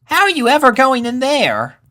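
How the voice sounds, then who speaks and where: A man's voice: very high-pitched, wildly swooping pitch, moderate pace, sharp tone, pitched above the performer's own voice, exaggerated voice. A man voicing a cocky young colt pony in a storybook reading, boyish and defensive.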